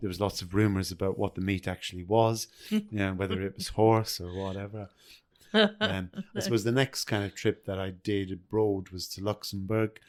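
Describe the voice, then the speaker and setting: On a very clean recording with a silent background, a man with an Irish accent speaks at a fairly low pitch in a monotone, flat intonation. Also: moderate pace. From Ireland. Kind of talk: interview answer. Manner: hesitant, casual.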